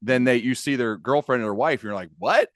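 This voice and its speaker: A man's voice: medium pitch, a little fast, dry recording, studio quality. A man hosting an interview podcast in an informal, emphatic storytelling manner, repeating phrases as he talks. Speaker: podcast host. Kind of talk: conversational interview.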